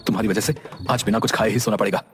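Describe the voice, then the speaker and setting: A man's voice: lowish voice, steady tone, rapid-fire, a little hiss or hum, natural voice. Man voicing an exasperated young husband. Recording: loud background music.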